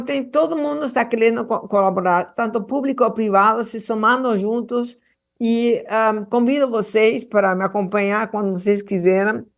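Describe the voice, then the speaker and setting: Halting woman. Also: mid-range voice. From Argentina. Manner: halting, many restarts and fillers; passionate, earnest. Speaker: guest speaker at a public hearing. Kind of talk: remote formal address.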